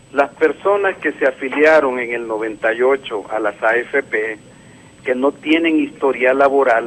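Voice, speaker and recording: Over noticeable background noise, a man talks at a fairly slow pace in a medium pitch with ordinary pitch variation. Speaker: caller. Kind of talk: call-in comment. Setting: phone call.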